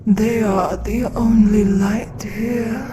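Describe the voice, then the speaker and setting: A man's voice: high-pitched, flat delivery, background noise, voice pushed up. A man voicing the hollow, empty voice speaking from a dead young woman's mouth in a horror story. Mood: eerie. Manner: slow, drawn-out prophetic utterances. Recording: distant with loud music behind.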